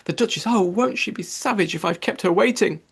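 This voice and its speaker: Man as a flustered, breathy white rabbit. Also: sits high, a little fast, voice pushed up, heavily acted. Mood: flustered, anxious. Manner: muttering anxiously. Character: flustered, fearful male white rabbit in a hurry.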